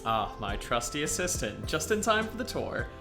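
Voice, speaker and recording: A man's voice: medium pitch, big pitch swings, normal speed, over music, natural voice. A man playing a playful, showy young tour guide in an audio drama, with a theatrical, mock-grand delivery.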